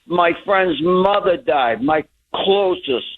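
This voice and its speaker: Over a tinny phone line, a man in his sixties calls into a radio show and rants heatedly. His voice sits on the high side with lively intonation, though he speaks at a slow pace.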